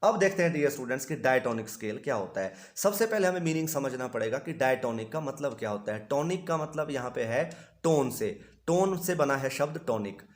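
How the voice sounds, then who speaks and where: A man's voice: mid-range voice, animated, brisk. Man teaching a music lesson in Hindi. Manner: patient, asks and answers his own questions.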